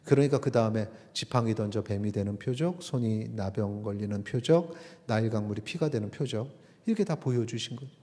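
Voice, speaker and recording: A man's voice: lowish voice, fairly quick, warm tone. A middle-aged man preaching a sermon as pastor, speaking with emphatic rises in volume and acting out hesitant believers. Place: church sanctuary. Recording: long church hall reverb.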